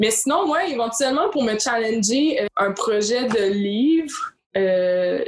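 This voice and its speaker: A woman with a Quebec accent and very wide pitch swings. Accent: Québécois French. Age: 20s. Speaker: tattoo artist. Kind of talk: casual chat.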